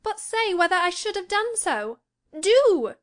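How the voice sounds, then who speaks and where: A woman's voice: high-pitched, animated, moderate pace, fairly bright tone, pitched above the performer's own voice. A woman voicing a peevish, anxious young lady in an audiobook, impulsive and emphatic in her pleading. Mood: peevish, impatient. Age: young adult. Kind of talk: audiobook character acting.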